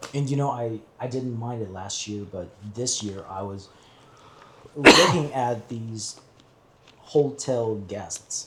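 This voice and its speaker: At a very slow pace, a man speaks at a medium pitch with ordinary pitch variation, leaving long, frequent pauses. His loudness swings widely, and there is noticeable background noise. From China. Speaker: podcast host. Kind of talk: interview.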